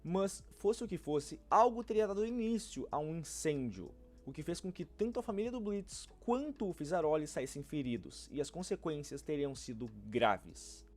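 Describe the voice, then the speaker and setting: A man's voice: a little high, lively intonation, moderate pace, hardly any pauses, a little mellow. A man with a Brazilian accent delivering scripted narration as a fan-theory video narrator.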